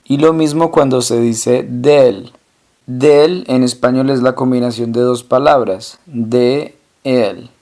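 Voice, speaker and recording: A man teaching a language lesson, asking questions and then answering them himself, slowly repeating each example word. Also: mid-range voice, fairly even intonation, mellow.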